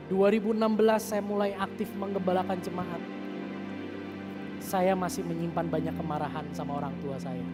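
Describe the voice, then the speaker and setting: A youth pastor in his thirties, with a slightly high voice, delivers an earnest sermon that includes a personal testimony. His delivery swings between raised emphasis and hushed, confessional moments.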